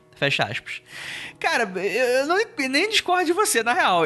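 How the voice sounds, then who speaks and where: With music in the background, a man speaks in a raised, projected voice at a fairly quick pace, using very wide pitch swings. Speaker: podcast host. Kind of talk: casual chat.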